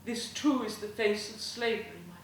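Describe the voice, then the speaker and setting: A woman playing an earnest, gentle woman abolitionist who speaks in measured, pleading oratory, in an echoey hall. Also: medium pitch, distant mic, close to an everyday voice. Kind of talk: one-woman historical storytelling performance. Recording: echoey hall, faint room noise.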